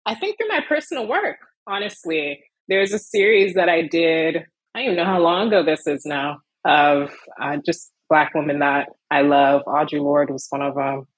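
Low husky woman, animated and laughing. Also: normal speed, few pauses, no echo, poor audio. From Miami, USA. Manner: animated, laughs often, many fillers. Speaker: illustrator guest. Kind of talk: casual interview chat.

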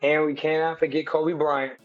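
A man from the American Midwest interviewing a guest in a casual, playful, slangy way with quick interjections. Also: on the high side, little pitch movement, dry recording, phone-quality sound, faint music behind. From Detroit, Michigan, US.

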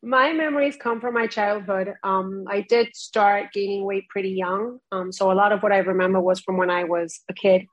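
A woman who grew up in Spain, a podcast guest recounting childhood memories in a matter-of-fact, measured way. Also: mid-range voice, fairly even intonation, no echo, highs cut off. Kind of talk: casual chat.

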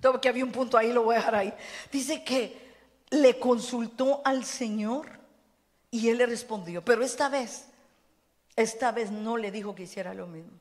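A woman's voice: on the high side, moderate pace. A woman pastor preaching a sermon, putting questions to the congregation. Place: church hall. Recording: long reverb of a church hall.

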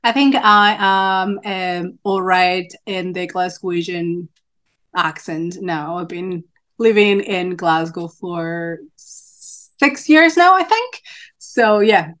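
A woman's voice: lowish voice, slow pace, fairly bright tone. Woman from Mexico chatting as podcast guest. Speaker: podcast guest, fitness coach. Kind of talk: casual chat.

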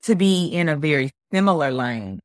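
Deep-voiced woman, upbeat podcast co-host, close dry mic. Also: moderate pace, no room sound. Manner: upbeat, energetic, says "like" often. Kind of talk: casual podcast chat.

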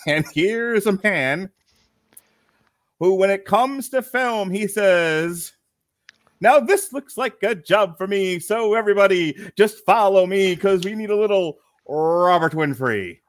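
A man playing a bombastic ringmaster announcer, grandly introducing a podcast in drawn-out showman style. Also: sits high, animated, no room sound, clean studio sound, pitched above the performer's own voice. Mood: grand, showy. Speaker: podcast host.

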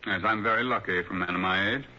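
A man's voice: lowish voice, quick pace, sharp tone, a little hiss or hum. An actor playing a wealthy male mystery author in his late fifties, gushing and hesitant with fillers, in a 1960s radio drama. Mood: brooding. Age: 50s. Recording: dull lo-fi old radio broadcast.

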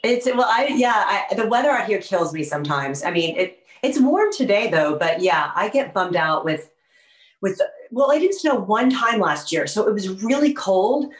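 A woman's voice: medium pitch, reverberant. A woman in her forties from Houston, Texas, chatting as a guest over a video call and laughing easily. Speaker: guest, actress and author. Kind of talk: casual interview chat.

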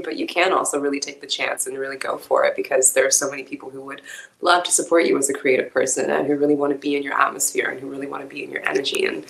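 A woman from Canada, a podcast guest, talking in a reflective, expressive way and laughing often. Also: low-pitched, gravelly, echoey room, rough recording. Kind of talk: casual interview talk.

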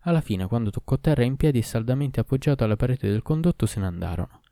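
A man reading a folk tale aloud as narrator, in a measured storybook way. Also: mid-range voice, animated, mellow, no echo, clean studio sound.

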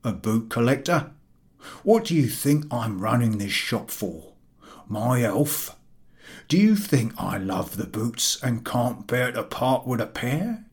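A man voicing a surly bootmaker with a thick, husky voice, firing off indignant rhetorical questions. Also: mid-range voice, lively intonation, slow pace, a little mellow. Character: surly middle-aged male London bootmaker, angry.

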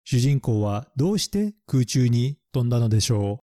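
A man narrating a bilingual lesson, explaining English words slowly and spelling them out letter by letter. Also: medium pitch, big pitch swings, dark tone, no echo, clean studio sound.

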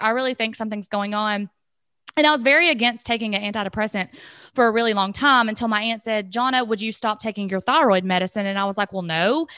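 A woman's voice: fairly high pitch, fairly bright tone, smooth, no room sound, clean studio sound. A woman in her thirties hosting a podcast, talking candidly and chattily, laughing easily. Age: 30s. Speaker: podcast host. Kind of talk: casual podcast conversation.

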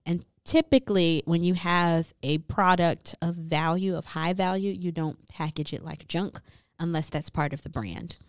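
A woman co-hosting a casual discussion, explaining her views in a steady, reasoned way. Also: fairly low pitch, normal speed, clean tone, no echo, studio quality.

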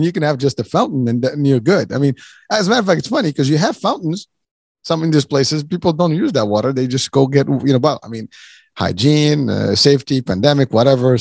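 A man's voice: medium pitch, a little mellow, no room sound, clean studio sound. A man from Morocco hosting an interview, talking in a casual, rambling way with many restarts and asides. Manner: rambling, many restarts and "you know", chuckles often. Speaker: podcast host.

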